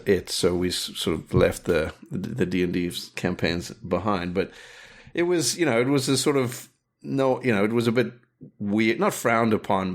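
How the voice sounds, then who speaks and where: Deep-voiced man in a rambling chat. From South Africa. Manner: rambling, many restarts and fillers. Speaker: guest, director and animator. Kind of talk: casual interview chat.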